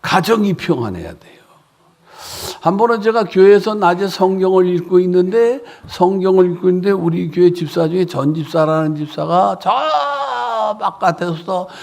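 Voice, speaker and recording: A man's voice: high-pitched, normal speed, gravelly. A man preaching at a revival meeting in a church, telling stories animatedly and putting on the voices of the people in them. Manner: animated storytelling with acted voices. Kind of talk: revival sermon. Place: church sanctuary.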